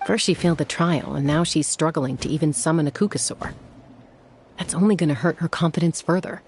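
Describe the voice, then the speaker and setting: Composed, low-voiced tribal warrior. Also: female voice, darkish tone, a little hiss or hum. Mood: concerned, frank. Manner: measured, matter-of-fact explaining. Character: composed adult female tribal warrior, protective and frank. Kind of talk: video game dialogue acting.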